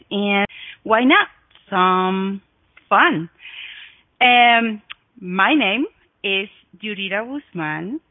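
A woman's voice: medium pitch, no echo. A middle-aged woman from Mexico with a Mexican Spanish accent, hosting her own show and telling her story to listeners with effusive, gasping emphasis. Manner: effusive, breathy gasps, swooping emphasis. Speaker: podcast host. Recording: dry phone-like audio.

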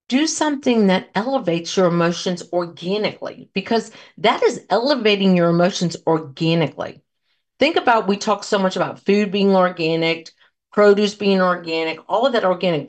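A woman in her fifties hosting a solo podcast, talking casually and encouragingly, rambling through anecdotes and asides to her listeners. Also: mid-range voice. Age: 50s. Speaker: podcast host and coach.

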